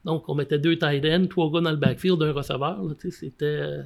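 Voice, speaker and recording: A Québécois man tells old football coaching stories in a casual interview, his voice sitting a little high. He is animated, piling on fillers and restarts as he goes. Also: fairly quick, vocal fry. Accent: Québécois French. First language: French.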